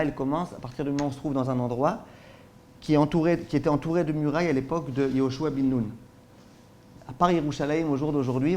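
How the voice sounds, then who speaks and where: A man's voice: medium pitch, darkish tone, slight background noise. A man, a rabbi, giving a spoken lesson on Jewish law, explaining through rhetorical questions and acted-out everyday examples, often checking that listeners follow. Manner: frequent checks with listeners ("d'accord?").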